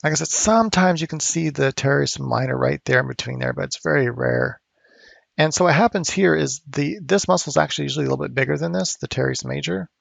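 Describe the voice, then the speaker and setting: A man's voice: mid-range voice, creaky, fairly bright tone, dry recording. A man teaching digital sculpting at home, talking casually and thinking aloud with fillers as he works. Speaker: art instructor. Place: home studio.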